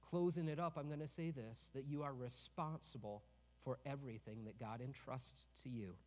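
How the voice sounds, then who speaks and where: A man's voice: mid-range voice, normal speed, long reverb tail. A man preaching a sermon in a conversational way, with joking asides and rises to emphatic peaks.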